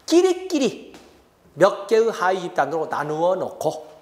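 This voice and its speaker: A man's voice: high-pitched, sing-song, normal speed. A middle-aged man giving an exam-prep lecture, repeating key terms as he writes them on the board.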